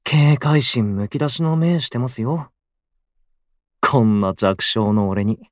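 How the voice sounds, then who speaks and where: An actor playing a gloomy, prickly, self-deprecating young station worker in a voice drama, with blunt, grumbling delivery. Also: male voice, mid-range voice, animated, takes it slowly, no room sound, clean studio sound. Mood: confrontational. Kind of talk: Japanese voice drama acting.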